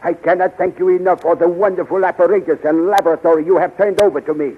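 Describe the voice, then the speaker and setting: An actor playing an eager, precise, deferential scientist-inventor in a 1930s radio serial, speaking with earnest emphasis. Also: male voice, high-pitched, fairly even intonation, fast talker, breathy edge. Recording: muffled, tinny 1930s radio recording.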